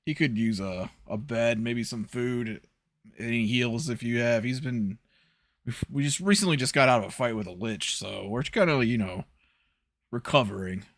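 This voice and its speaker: A man's voice: mid-range voice, moderate pace, no echo. A man playing in a tabletop game over voice chat, asking eager questions and stumbling over his words. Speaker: player. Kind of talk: casual tabletop role-play over voice chat.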